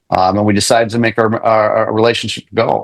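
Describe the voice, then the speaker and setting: A man's fairly quick, monotone, flat delivery, dry and close with no echo. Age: 60s. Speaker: divorce plaintiff testifying in court. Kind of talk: court testimony. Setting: courtroom. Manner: halting, repeats words; calm.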